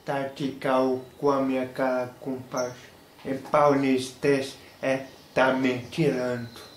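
A man's voice: mid-range voice, flat delivery. A young man with a Carioca accent, talking casually to the camera in a small room and explaining slang word by word. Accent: Carioca Portuguese. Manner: slow, halting, explaining word by word. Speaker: YouTuber. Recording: roomy echo, faint hiss.

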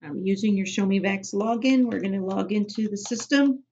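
A woman from Missouri training clinic staff in a screen-recorded software tutorial, giving plain step-by-step instructions with frequent ums. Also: mid-range voice, normal speed, slightly rough. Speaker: immunization program trainer. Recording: dull lo-fi audio.

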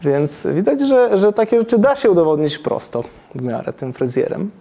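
A man in his thirties giving a public math lecture in a classroom, thinking aloud and often checking the audience with a quick question. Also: high-pitched, sing-song, creaky, dark tone. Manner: thinking aloud, frequent self-corrections and "tak?" checks. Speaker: university lecturer. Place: classroom with chalkboard, indoors.

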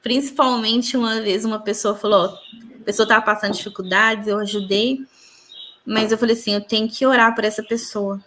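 A woman's voice: fairly high pitch, fairly even intonation, fairly quick, a bit bright, a little hiss or hum. A woman giving an earnest personal testimony in an interview, retelling events with quoted dialogue. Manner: earnest, tells her story with reported dialogue.

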